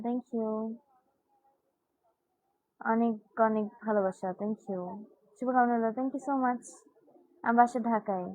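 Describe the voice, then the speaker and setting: A woman's voice: fairly high pitch, darkish tone, dry recording, poor audio. A teenage girl from Bangladesh hosting a live stream, chatting casually and answering viewer comments one by one. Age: teens.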